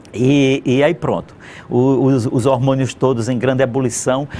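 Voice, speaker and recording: A fairly high-pitched man at a moderate pace. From Northeast Brazil, Alagoas (São José da Laje). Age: 60s. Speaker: poet, actor and theatre teacher. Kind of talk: interview. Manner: halting, many false starts.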